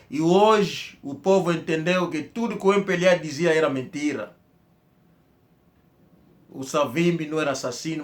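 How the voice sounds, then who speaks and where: A man's voice: a little high, fairly bright tone. A man giving an impassioned, accusatory political monologue, stumbling and repeating words as he presses his points. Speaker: political commentator.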